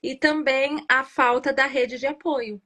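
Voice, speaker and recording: Brazilian woman, higher voice, earnest. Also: steady tone, measured pace, sharp tone. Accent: Brazilian Portuguese. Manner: earnest, explanatory, tags many phrases with "né?". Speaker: guest. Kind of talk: reflective interview conversation.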